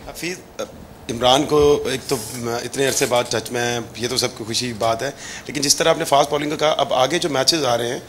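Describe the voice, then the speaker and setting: Reporter, hesitant rambling question, light room noise. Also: male voice, medium pitch, fairly even intonation, moderate pace.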